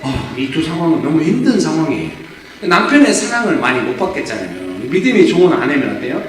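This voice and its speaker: A man's voice: fairly high pitch, sing-song, fast talker. A middle-aged man preaching a sermon as pastor, talking conversationally and acting out quoted dialogue with humor. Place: church sanctuary. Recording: echoey church hall from a distant mic, faint room noise.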